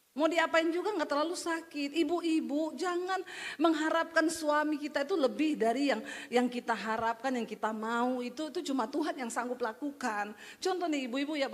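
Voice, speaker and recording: A woman's voice: high-pitched, long reverb tail. A woman pastor preaching a sermon in a chatty, humorous way, speaking straight to her congregation.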